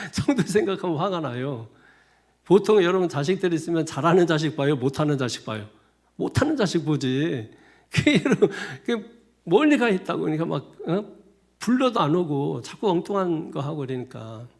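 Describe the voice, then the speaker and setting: Gravelly man preaching a casual sermon. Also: on the high side, sing-song, moderate pace. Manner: colloquial, repetitive, chuckling asides. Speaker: pastor.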